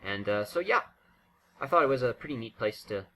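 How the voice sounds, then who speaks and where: A man's voice: mid-range voice, lively intonation, a little fast, pushed and bright, slight background noise. A man giving casual, unscripted game commentary in a rambling, self-interrupting way. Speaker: gaming video creator.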